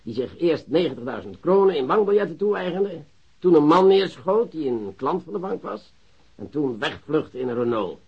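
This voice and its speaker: Sly commissioner: mock-polite, hesitant, very varied intonation, slightly muffled radio-play sound. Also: male voice, on the high side, very animated, husky, exaggerated voice. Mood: probing. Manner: unhurried, hesitant, falsely polite. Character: sly, mock-courteous police commissioner interrogating a suspect. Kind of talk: Dutch radio play acting. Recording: dull lo-fi radio drama recording.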